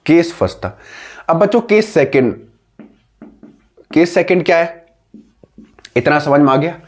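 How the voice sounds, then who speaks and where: A man teaching a physics lesson to schoolchildren, asking them questions, repeating key terms and dictating notes slowly. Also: a little high, expressive. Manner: calls students "बेटा", "बच्चों". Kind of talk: classroom lesson.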